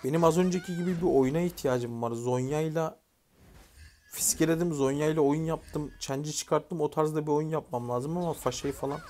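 A man voicing his own mobile game match, talking loosely to himself and his team. He drifts between muttered thinking and loud, excited calls for the team to attack. The sound is close and casual, like a streamer at his desk. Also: on the high side, normal speed. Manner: excited shouting at teammates; chatty, swears casually. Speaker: gaming YouTuber. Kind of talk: live gameplay commentary.

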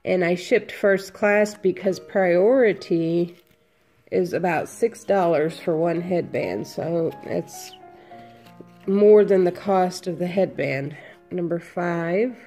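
A woman with a cold, sniffling a little, slowly listing her handmade headbands for sale from home. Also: on the low side, dark tone, soft background music. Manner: slow, unhurried item-by-item listing. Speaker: crafter selling handmade headbands. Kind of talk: casual product walkthrough.

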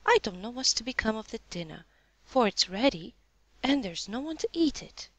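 A woman's voice: on the high side, big pitch swings, normal speed, a bit bright, no echo, pitched above the performer's own voice, full character voice, rough recording. A woman voicing a flustered, timid housemaid in a storybook, deferential and fretful, with rustic speech. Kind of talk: storybook character dialogue.

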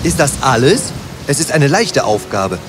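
Man playing a cocky young fairy tale tailor, animated. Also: medium pitch, moderate pace, noisy background, lightly acted. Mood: self-assured. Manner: boastful, self-assured. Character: confident, cunning young male tailor hero. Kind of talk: children's fairy tale voice acting. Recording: music behind the voice.

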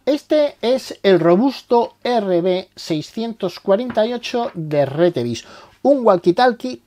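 Higher-pitched Spanish man with a mellow voice. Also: expressive, slow pace, slight background noise. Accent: Spain. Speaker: product reviewer and tutorial presenter. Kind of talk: explanatory product tutorial narration.

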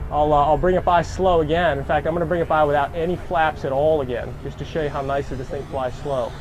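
Speaking fast with a fairly high, fairly even voice, a middle-aged model aircraft reviewer and pilot presents his plane on a grassy field and commentates the flight. He's eager, heavy on fillers, and talks right to viewers. Background noise is audible.

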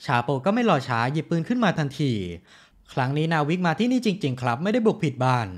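A man's voice: a little high, sing-song, fast. A man narrating a TV series recap in a chatty, casual storytelling way, with polite sentence endings.

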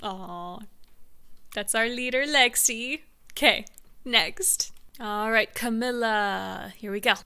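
A woman's voice: on the high side, slow pace, bright, forceful tone, clear, resonant tone. A young woman reacting to a video in a casual, gushing, chatty way from her bedroom streaming desk. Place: decorated bedroom streaming setup. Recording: faint music from clip underneath.

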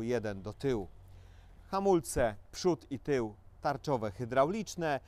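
A young man runs through the specs of a quad bike in a steady, matter-of-fact sales tone. His voice sits at an ordinary mid pitch. The sound is dry and close, with no room echo. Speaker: dealership salesman presenting a quad. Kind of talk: product presentation.

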